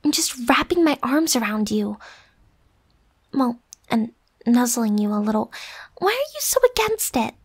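A woman playing a bossy, defensive but secretly affectionate young roommate in an ASMR roleplay, huffy with breathy whispered asides. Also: fairly high pitch, sing-song, unhurried, long pauses, full character voice. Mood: exasperated, defensive.

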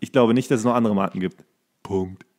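A man's voice: on the low side, fairly quick, a little mellow. A man chatting casually as a podcast co-host, teasing and joking as he rambles along. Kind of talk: casual comedic chat.

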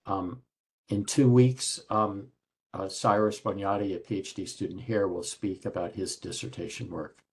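An older man hosts a seminar over a video call. His voice is low and husky. He speaks haltingly, pausing and repeating words. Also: steady tone. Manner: halting, hesitant delivery. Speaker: professor hosting a seminar. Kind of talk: introducing a speaker.

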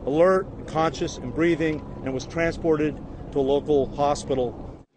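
Man, slightly high voice, formal statement, short measured phrases, clear outdoor noise. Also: fairly even intonation. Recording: noisy outdoor news recording.

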